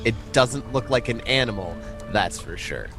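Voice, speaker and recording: A man's voice: medium pitch, animated, normal speed, music in the background. A man casually narrating a tabletop game as game master, in informal, sweary language.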